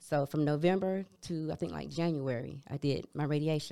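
With an Alabama accent, a woman speaks in a very deep, low pitch and a dark, mellow tone, her intonation fairly even. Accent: Southern US (Alabama). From Phenix City, Alabama (US South). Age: 50s. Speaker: cancer survivor, insurance worker. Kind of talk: testimony. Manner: fast.

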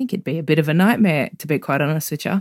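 A woman with an Australian accent, fairly low in pitch, her tone warm, dark and mellow, her intonation lively, recorded very cleanly against a silent background with a dry, close sound and no echo. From Australia, outskirts of Sydney. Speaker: podcast host, spirituality and healing. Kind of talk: solo monologue, reflective introduction to a spirituality podcast. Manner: warm, reflective, filler-heavy.

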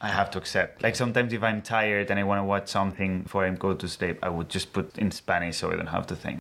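A man with a Catalan accent, fairly low in pitch, at a very fast pace. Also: fairly even intonation, hardly any pauses. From Catalonia, Spain. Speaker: stand-up comedian. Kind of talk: casual interview chat.

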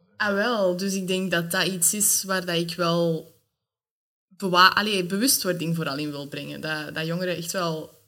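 A woman speaks with a Flemish accent in a bright, sharp tone at a fairly low pitch. Her pace is moderate and her intonation fairly even. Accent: Flemish Dutch. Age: 20s. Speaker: social work student and youth volunteer. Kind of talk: casual explanatory interview.

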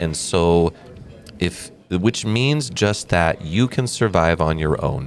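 An American man speaks very slowly, his pitch very deep and low yet his intonation lively. His loudness stays very even while music plays in the background. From Montana. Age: 40s. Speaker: podcast co-host, Marine veteran. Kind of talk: casual chat.

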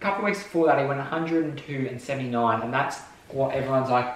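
With an Australian accent, a man with a fairly high pitch speaks at a fairly quick pace amid noticeable background noise and audible room echo. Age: 20s. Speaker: podcast host. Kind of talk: casual chat.

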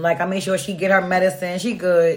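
Speaking at a fairly slow pace, a woman keeps a medium pitch. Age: 30s. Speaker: podcast guest, host's best friend and mother. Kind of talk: casual chat. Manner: blunt.

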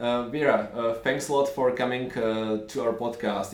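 Delivered in a Czech accent at a fairly slow pace, the speech has monotone, flat intonation and audible room echo. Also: man. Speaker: podcast host. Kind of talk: interview. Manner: halting.

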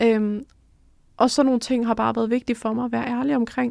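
A woman speaks at a moderate pace with a fairly high pitch and a dark, mellow tone. The recording is very clean with a silent background, and the sound is dry and close with no echo. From Zealand, Denmark (Slagelse). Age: 20s. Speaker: marketing student, chronic illness patient. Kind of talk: podcast interview.

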